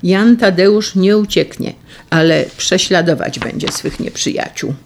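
A reader voicing a proud young man on the run in an audiobook, solemn and resolute, with some vocal fry. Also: high voice, unhurried, a little hiss or hum, pitched above the performer's own voice. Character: young outlaw lover, proud and defiant. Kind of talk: audiobook reading.

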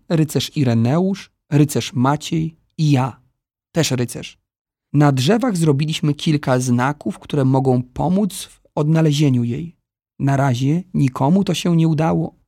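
A man narrating a children's adventure story in the first person, with a lively storytelling delivery. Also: fairly high pitch, dry recording, studio quality.

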